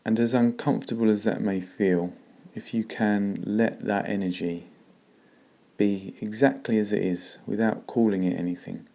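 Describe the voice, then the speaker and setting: A man leading a guided meditation in a slow, calm, gentle way with long pauses. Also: fairly low pitch, vocal fry.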